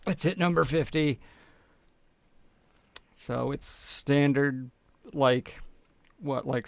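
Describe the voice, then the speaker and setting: A man's voice: medium pitch, gravelly, no room sound. A man playing a tabletop game, chatting casually and wryly as he talks through his character's thinking. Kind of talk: casual, joking game chat.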